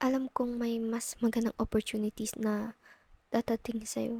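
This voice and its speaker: In a gentle, dark, mellow tone, a woman speaks at a moderate pace, the sound dry and close with no echo. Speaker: audio roleplay / ASMR creator. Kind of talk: roleplay as a caring wife, intimate ASMR-style talk to the listener. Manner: gentle, caring, soft-spoken.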